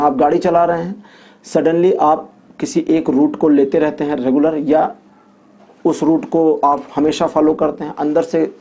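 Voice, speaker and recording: A man's voice: on the high side, warm tone, husky. A man giving a weekly tarot horoscope reading, explaining each point with repetition and homely examples. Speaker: tarot reader.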